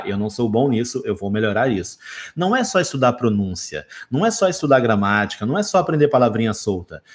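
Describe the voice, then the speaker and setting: A Brazilian man with a Brazilian Portuguese accent, giving a relaxed video lesson on learning English. His delivery is lively and conversational, aimed straight at the viewer, and he jumps into short acted-out examples to make his points. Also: medium pitch. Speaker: English teacher.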